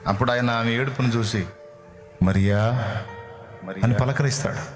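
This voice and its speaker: A man's voice: mid-range voice, normal speed. A male pastor preaching a sermon in a dramatic storytelling manner, acting out dialogue. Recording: roomy echo. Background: faint music.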